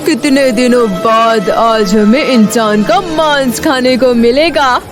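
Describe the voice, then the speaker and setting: A woman's voice: fairly high pitch, slow pace, over music. A woman voicing a hungry, menacing forest witch in a children's story. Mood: gloating hunger.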